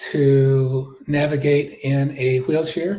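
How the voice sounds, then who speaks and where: Somewhat breathy and dark, mellow in tone, a man talks with fairly even intonation. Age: 70s. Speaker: interview guest sharing illness recovery. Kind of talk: personal testimony.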